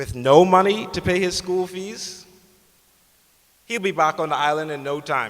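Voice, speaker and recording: A man with a strong Bahamian accent speaks at a fairly slow pace, his pitch high. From Bahamas. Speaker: graduating student. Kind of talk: commencement speech.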